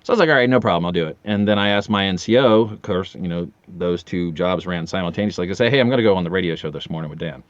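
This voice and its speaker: A man's voice: deep voice, very fast, few pauses, dry recording, highs cut off. A man in his forties chatting casually as a podcast guest, telling anecdotes and acting out the dialogue. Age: 40s. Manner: animated storyteller, acting out quoted dialogue. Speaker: podcast guest, audio drama voice actor.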